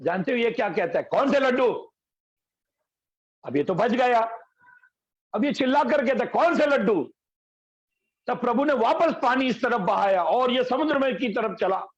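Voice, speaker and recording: A man's voice: very high-pitched, animated, moderate pace, muffled recording. A male pastor preaching a sermon, telling folksy anecdotes and stories, over an online call. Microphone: video call.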